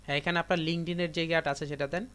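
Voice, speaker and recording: Speaking fast and flat, a man from Bangladesh gives his computer students repetitive step-by-step directions in a live class. His voice is on the high side and slightly bright.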